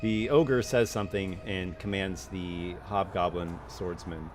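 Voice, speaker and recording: A man's voice: sits low, steady tone, unhurried, music in the background. A man narrating a tabletop role-playing game as game master.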